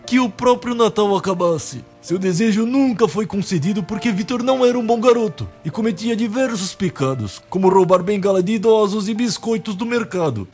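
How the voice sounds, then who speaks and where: A man's voice: sits high, darkish tone, lightly acted. A man playing a nervous, rambling, exasperated Santa Claus in a comedic radio play. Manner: theatrical, long-winded, exasperated. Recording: music behind the voice.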